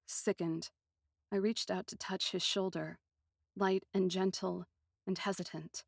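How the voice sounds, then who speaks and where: A woman narrating a first-person fantasy story in an expressive, literary manner with deliberate phrasing. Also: fairly low pitch, gravelly, dry recording, studio quality.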